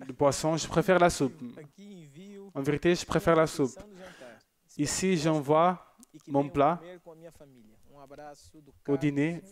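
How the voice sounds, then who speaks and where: Man host, church TV, slightly high voice, casual and joking, reads out viewers' messages. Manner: chatty and joking, with loose asides. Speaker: church TV presenter. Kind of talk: casual broadcast chat reading viewer messages.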